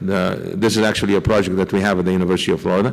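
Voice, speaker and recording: A man is speaking. Room echo is audible. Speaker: engineering professor. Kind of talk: conference lecture. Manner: fast; hesitant fillers.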